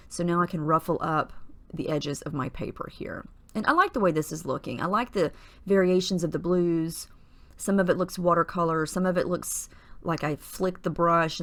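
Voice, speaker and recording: A woman with a slightly low, husky morning voice narrates a scrapbooking tutorial as casual voice-over, clearing her throat. Relaxed and chatty, she pauses on small fillers while explaining each step of the craft.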